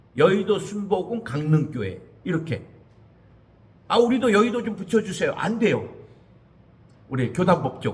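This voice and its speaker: A man's high-pitched voice at a moderate pace, lively in intonation, with long, frequent pauses and audible room echo. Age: 60s. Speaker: pastor. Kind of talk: sermon. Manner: animated.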